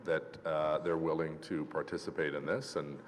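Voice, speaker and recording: A man chairs a municipal committee meeting in a very deep, low voice. He questions witnesses in a measured way. The chamber echoes and a faint hum sits underneath. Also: flat delivery. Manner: measured questioning, calls speakers by name. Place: city council committee chamber.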